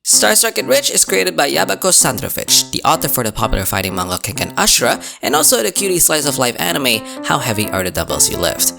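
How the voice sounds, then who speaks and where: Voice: mid-range voice, wildly swooping pitch, fast, vocal fry, hardly any pauses, over music. A commentator giving a casual scripted video essay in a crude, slangy, jokey way, with frequent swearing; sex unclear from the voice. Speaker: anime and manga video commentator.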